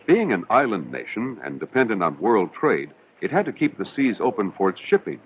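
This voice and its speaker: A man reading scripted narration for an educational film in a measured, formal, explanatory way. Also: lowish voice, very animated. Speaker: documentary narrator. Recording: dull, hissy 1970s educational film soundtrack.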